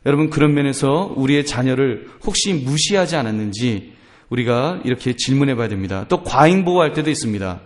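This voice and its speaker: A man's voice: mid-range voice, fairly quick. A male pastor preaching to his congregation, often asking them questions and acting out parents and children arguing. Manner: addresses congregation directly, acts out family quarrels in lively voices. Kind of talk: sermon.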